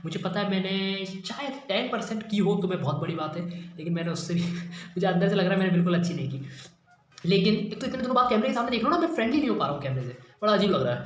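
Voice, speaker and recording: A man's voice: high-pitched, animated, quick pace, soft background music. Rambling, apologetic man teaching mimicry. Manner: rambling, self-deprecating and apologetic. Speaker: mimicry tutorial YouTuber. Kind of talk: casual spoken tutorial. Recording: very echoey room, faint noise.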